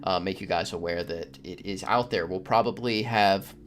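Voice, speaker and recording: A man hosting a casual podcast, speaking in a halting, stop-start way. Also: deep voice, noisy background. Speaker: podcast host.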